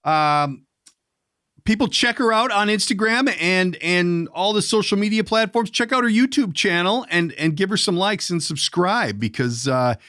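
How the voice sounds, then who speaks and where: Animated male podcast host, very dry sound. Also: high-pitched, normal speed, no room sound. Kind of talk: casual interview.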